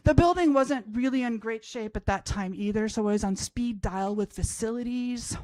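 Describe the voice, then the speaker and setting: Woman in her fifties, from Austria, wry self-mocking storyteller, fairly high voice, dry sound. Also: normal speed, dark tone, no echo. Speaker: language professor and storyteller. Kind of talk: humorous personal storytelling on stage. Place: college event stage before an audience.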